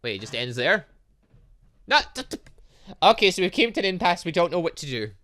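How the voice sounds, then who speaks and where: A man giving let's play commentary on a game, reading text aloud with rambling asides as he thinks out loud. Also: high-pitched, sing-song, brisk. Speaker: gaming channel host.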